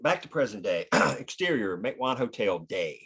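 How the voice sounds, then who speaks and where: A man's voice: fairly low pitch, sing-song, normal speed, fairly bright tone, slightly rough. Man reading screenplay stage directions. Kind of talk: scripted screenplay narration at a table read.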